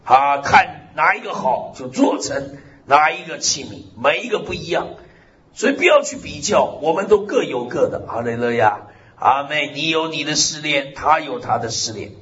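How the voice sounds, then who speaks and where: Animated male preacher, swooping pitch. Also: normal speed. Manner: animated preaching, frequent amens and hallelujahs; swings pitch widely, drawls key phrases. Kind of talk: sermon. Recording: slightly dull recording with faint hiss.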